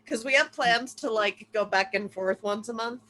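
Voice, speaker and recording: A woman chatting casually and excitedly with friends on a video call at home, exclamatory and free with swearing. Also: fairly high pitch, moderate pace. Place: indoors at home, in a bedroom. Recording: noisy video call audio.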